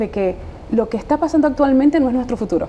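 A woman speaks with a Venezuelan accent at a high pitch, with ordinary pitch variation. Light background noise is present. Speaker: guest. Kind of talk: casual talk. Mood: earnest, emotional. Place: studio. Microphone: lapel.

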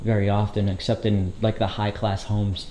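Over light background noise and audible room echo, a man speaks at a moderate pace with a dark, mellow tone. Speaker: urban explorer vlogger. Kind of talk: casual vlog chat. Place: empty room. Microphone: phone near.

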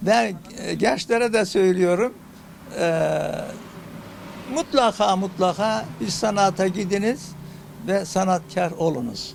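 A man's high-pitched voice with lively intonation at a very slow pace, broken by long, frequent pauses, over noticeable background noise. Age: 80s+. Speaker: tailor. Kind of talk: interview answer.

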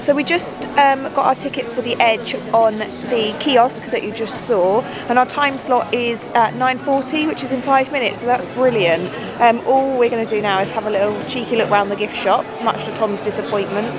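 A woman at a moderate pace with hardly any pauses and ordinary pitch variation, dry sound with no echo, clear music in the background. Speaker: travel vlogger. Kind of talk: casual vlog chat. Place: shop. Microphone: phone near.

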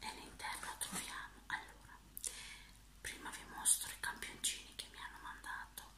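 A woman whispers at a moderate pace, broken by long pauses that come often. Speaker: ASMR creator. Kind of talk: ASMR whispered haul talk. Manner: whispered. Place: home room. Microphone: phone near.

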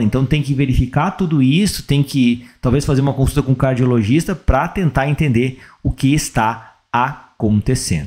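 At a moderate pace, a man talks in a dark, mellow tone at a fairly high pitch with ordinary pitch variation. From Brazil. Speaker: urologist. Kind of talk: live Q&A stream. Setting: livestream. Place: office. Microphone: studio mic.

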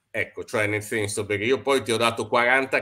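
Here a man speaks at a moderate pace. His tone is bright and sharp. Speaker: journalist and show host. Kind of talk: interview. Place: home room.

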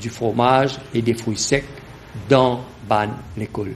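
A man speaks with a Mauritian accent over light background noise. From Mauritius. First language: Mauritian Creole (speaking French). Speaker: politician; party spokesman. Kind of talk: press statement. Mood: earnest, concerned. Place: meeting room. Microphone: podium.

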